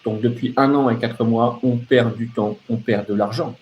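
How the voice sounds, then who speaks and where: A man's voice: mid-range voice, steady tone, normal speed, dull audio, a little hiss or hum. A man delivering an off-the-cuff political rant as a live open-line host, sardonic and emphatic, repeating phrases and throwing out rhetorical questions.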